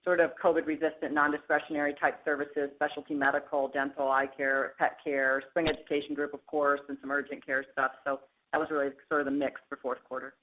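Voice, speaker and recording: A woman executive answering analyst questions on an earnings call in a steady, even manner. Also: deep voice, a little fast, few pauses. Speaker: company executive. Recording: tinny phone line.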